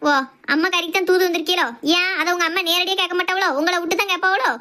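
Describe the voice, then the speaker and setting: Woman voicing a scolding middle-aged housewife, rapid, sarcastic. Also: extremely high pitch, level tone, sharp tone. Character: sharp-tongued middle-aged housewife and strict mother. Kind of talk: comic family skit.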